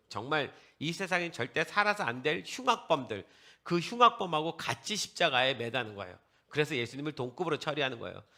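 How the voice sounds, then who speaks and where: A man preaching a sermon in a lively, conversational way. He keeps asking the congregation questions and answering them himself. His pitch swings widely, and his voice is bright and forceful. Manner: conversational, mixes casual and polite speech. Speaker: pastor.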